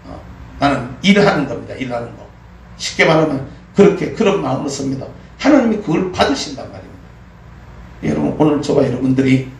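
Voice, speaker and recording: A middle-aged pastor preaches a folksy sermon, acting out prayers and grumbles and laughing often. His voice is on the high side and creaky. The mic is distant in an echoey room, with faint noise.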